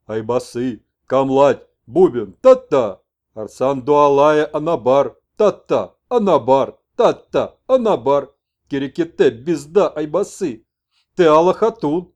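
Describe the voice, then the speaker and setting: A man voicing an old toothless shaman messenger who speaks in broken phrases and loud chanted exclamations. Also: a little high, measured pace, natural voice. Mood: chanting.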